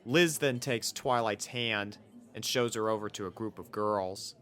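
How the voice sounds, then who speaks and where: A man's voice: on the low side, a little slow, a bit bright, clean tone. A man reading a first-person fan fiction story as its narrator.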